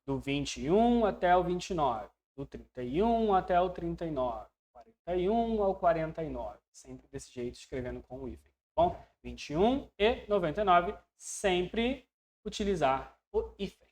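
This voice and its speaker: A man with a Brazilian Portuguese accent teaching English, who explains patiently, checks in with the learner and drills words slowly. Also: sits high, big pitch swings, darkish tone. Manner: voices learners' questions to himself. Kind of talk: online language lesson.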